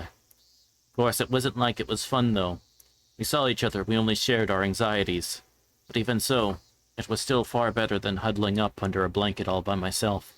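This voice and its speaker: Low-voiced man reading a story aloud. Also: fairly bright tone, slight background noise, rough recording. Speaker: streamer reading a visual novel aloud. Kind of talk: scripted narration read aloud live. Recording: background music.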